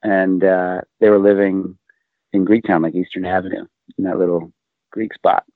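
Low-voiced American man on a tinny line. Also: little pitch movement, moderate pace, no echo. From Maryland, USA. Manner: rambling, profane, self-deprecating. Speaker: comedian guest. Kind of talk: casual anecdotal chat. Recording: narrow tinny phone-like line, dry.

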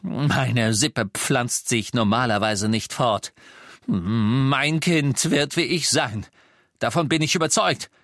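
A man's voice: medium pitch, slow pace, a bit bright, no echo, clean studio sound, pitched above the performer's own voice. A man reading the part of a middle-aged werewolf teacher, anguished and full of self-reproach. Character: middle-aged male werewolf teacher, tormented and guilt-ridden. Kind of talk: audiobook character voice.

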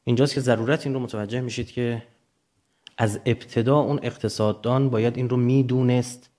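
This is a medium-pitched male voice with a somewhat dark tone and an Iranian Persian accent. He delivers an informal, emphatic lecture built around examples and rhetorical questions.

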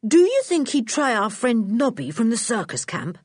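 A woman's voice: a little high, very animated, moderate pace, darkish tone, husky, dry recording, clean studio sound, voice pushed up. A woman voicing a sensible, well-spoken schoolboy who talks politely and earnestly. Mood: eager. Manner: polite, earnest, proper English phrasing.

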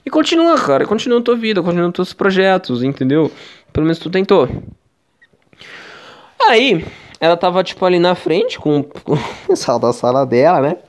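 A man's voice: high-pitched, big pitch swings, normal speed, pauses often. A young man from Brazil hosting a podcast, telling a personal story in a rambling, slangy way and acting out the voices he quotes. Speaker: podcast host. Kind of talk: casual storytelling monologue.

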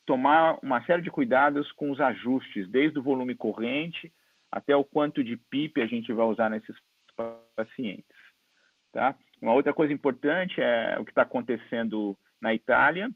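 Gravelly Brazilian Portuguese man explaining. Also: medium pitch, normal speed, no echo. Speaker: guest medical expert and presenter. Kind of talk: explanatory online lecture, conversational. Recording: dry, slightly dull online audio.

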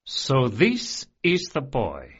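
A man's voice: medium pitch, wildly swooping pitch, drawn-out words, fairly bright tone, husky, pitched above the performer's own voice, full character voice. A man doing an amused big crime boss. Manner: amused, indulgent. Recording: dull lo-fi recording.

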